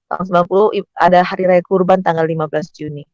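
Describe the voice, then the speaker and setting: A man's voice: high-pitched, steady tone, very fast, no echo, lo-fi sound. Dry-sounding man telling a testimony. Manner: conversational, storytelling with acted quotes. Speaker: pastor. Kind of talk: testimony storytelling sermon.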